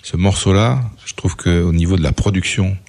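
Man with a very low, gravelly voice. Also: normal speed, darkish tone. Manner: enthusiastic, giving firm opinions. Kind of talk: casual radio chat.

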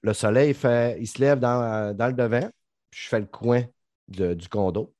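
A middle-aged man speaks with a Saguenay Quebec French accent in a casual podcast chat. His voice sits at an ordinary pitch for a man, and he jokes bluntly, dropping swear words freely. The sound is dry and close, with no room around it. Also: normal speed, darkish tone, no room sound. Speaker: podcast host.

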